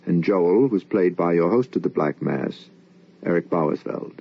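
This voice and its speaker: Deep, husky, slow-speaking radio announcer man. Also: expressive. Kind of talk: formal radio closing credits. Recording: muffled old radio recording.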